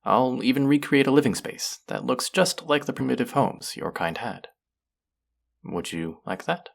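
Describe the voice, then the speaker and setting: A mid-range, gravelly voice plays a cruel, acquisitive alien collector-artist in an audio drama, feigning warmth toward a captive. The dramatic second-person monologue moves slowly and savoringly, cooing and condescending, often dropping to a whisper, with a coaxing, possessive feel.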